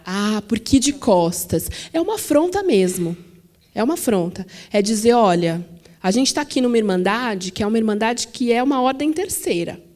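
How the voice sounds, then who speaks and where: São woman panelist, warm, mellow tone, conversational, tags questions, acts out quotes. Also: fairly high pitch, normal speed. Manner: conversational, frequent tag questions, animated quoting. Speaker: panelist at a teachers' talk. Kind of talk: public talk answering questions. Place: museum auditorium.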